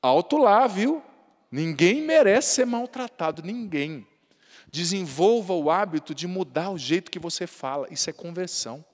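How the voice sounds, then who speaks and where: A man's voice: high-pitched, lively intonation, normal speed, big-room sound. A Brazilian man giving a Catholic sermon in a folksy, humorous way, often adding tag questions. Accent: Brazilian Portuguese. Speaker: Catholic priest.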